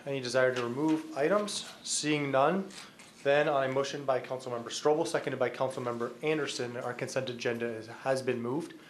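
A man's voice: mid-range voice, a little fast. A middle-aged American man formally chairing a council meeting in a procedural manner. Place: council chamber. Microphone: desk microphone. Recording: background noise in meeting room.

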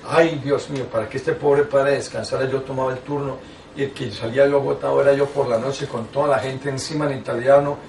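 Older priest telling stories animatedly. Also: male voice, medium pitch, fairly quick, creaky, recorded from a distance, a little hiss or hum. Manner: animated storytelling with frequent asides and restarts. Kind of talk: teaching talk to a lay audience. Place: small indoor meeting room. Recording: echoey room, taken from afar.

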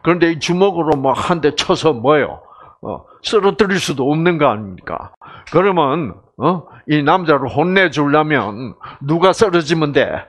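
A middle-aged man giving a lively seminar lecture with jokes. He keeps asking the audience questions and acts out voices and cries. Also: on the high side, moderate pace. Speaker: health lecturer.

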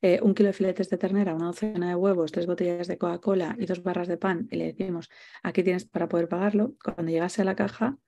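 Woman hosting a webcam chat, 40s, kinda low warm voice, chatty. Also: fast talker, faint music behind. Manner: lively, chatty, jumping in with short remarks. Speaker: host. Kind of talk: casual conversation on a video call. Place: home study with bookshelves. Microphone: webcam on a video call.

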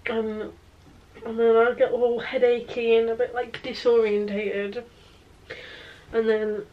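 A woman's voice: on the high side, dull audio. Weary young woman vlogging in pain. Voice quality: hoarse morning voice. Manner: tired, halting, with sighs and trailing words. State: in pain and exhausted. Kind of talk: casual vlog to camera. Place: at home, indoors. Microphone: phone camera held close.

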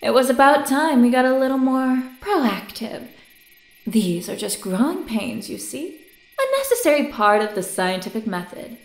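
A woman acts a haughty woman scientist in an audio drama. Her high voice swoops widely as she lectures in a condescending, wordy, theatrical way. The sound is roomy and echoing. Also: very animated, normal speed. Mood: brisk, impatient.

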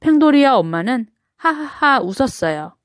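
Gentle woman reading a picture book. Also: high-pitched, very animated, normal speed, no echo, studio quality. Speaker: storybook reader.

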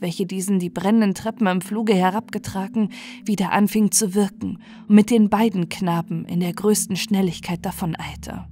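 A woman narrating a scripted fairy tale for bedtime in a measured, expressive storytelling manner. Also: mid-range voice.

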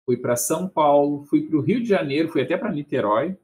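A man's voice: on the high side, lively intonation, brisk, darkish tone. A man in his fifties with a Porto Alegre accent, rambling and chuckling on a video call with a headset, often adding tag questions. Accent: Porto Alegre Brazilian Portuguese. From southern Brazil. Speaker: guest in a debate. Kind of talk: casual video call conversation.

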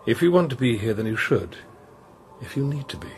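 An actor playing a tormented but gentle Catholic priest in a radio drama, speaking in a halting, intense and brooding way. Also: male voice, medium pitch, animated, a little hiss or hum, close to an everyday voice. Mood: gentle, musing. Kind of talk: radio drama acting, interior monologue and dialogue.

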